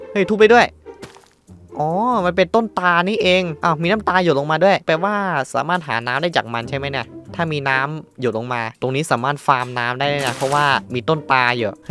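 A man hosting a casual let's-play, narrating his own moves, counting aloud and breaking into startled exclamations and coarse slang. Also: a little high. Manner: excitable, yelps and exclaims at surprises, coarse slang. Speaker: gaming channel host.

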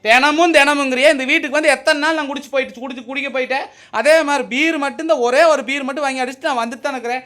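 A man, a husband, arguing heatedly with his wife, defensive and swearing, at times shouting. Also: very high voice, fairly even intonation, rapid-fire. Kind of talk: heated domestic argument.

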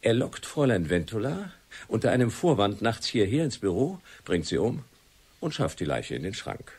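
Husky, low-voiced crime writer. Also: male voice, sing-song, normal speed, a little mellow. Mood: musing, dramatic. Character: confident crime writer laying out his theory methodically. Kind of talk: German radio play acting.

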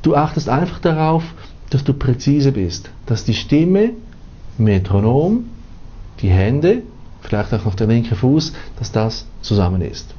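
A man's voice: medium pitch, sing-song, a little slow, mellow. Man teaching piano, chanting rhythms. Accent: Swiss German. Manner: chants rhythm syllables while playing. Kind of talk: piano lesson with counting syllables. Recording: slightly dull audio with piano and metronome. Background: piano playing.

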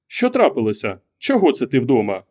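A man's voice: mid-range voice, wildly swooping pitch, a little fast, darkish tone. A man reading an audiobook, raising his voice to play an anxious, exasperated wife who keeps pressing her husband with questions. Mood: alarmed. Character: anxious middle-aged wife, exasperated and pleading. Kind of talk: audiobook character voice.

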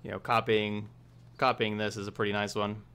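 A man's voice: fairly low pitch, level tone, normal speed, bright, forceful tone, clean tone. A man in his thirties giving casual commentary on a game he is streaming from a room at home.

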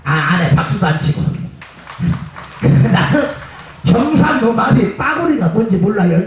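A man, a pumba street performer, teasing the crowd with loud, bawdy jokes at an outdoor beach show. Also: sits high, sing-song, measured pace, a little hiss or hum. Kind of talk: bawdy stage banter with the crowd. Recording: echoey PA sound from far off, music behind.

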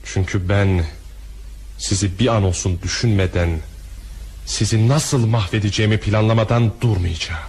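A man's voice: lowish voice, animated, moderate pace, darkish tone, slightly rough. A man acting a proud, bitter hotel owner with a vengeful streak in a crime radio drama. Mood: bitter, menacing. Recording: faintly noisy radio drama recording.

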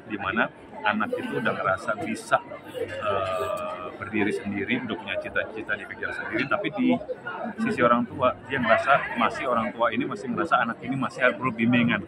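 A man with a lowish voice talks thoughtfully about his work, pausing often to find words. Heavy crowd chatter fills the banquet hall around him. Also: steady tone. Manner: thoughtful, rambling with fillers. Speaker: actor. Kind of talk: press interview. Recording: loud crowd chatter behind.

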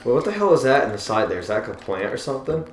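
A man with a lively, swinging voice makes sarcastic, profane comments on a game being played. The room sounds roomy, and faint game music plays behind him. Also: medium pitch, very fast. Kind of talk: casual gameplay chat.

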